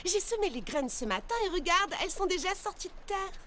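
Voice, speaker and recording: A woman's voice: very high-pitched, lively intonation, a little fast, a little hiss or hum. A woman voicing a friendly, helpful, reassuring girl in a children's cartoon. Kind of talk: French-language children's cartoon dubbing. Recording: loud music under the voice.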